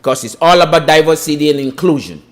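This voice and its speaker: A man with a somewhat high voice hosts an interview podcast. He opens with a formal welcome and then asks his guest plain, conversational questions. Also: fast. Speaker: podcast host.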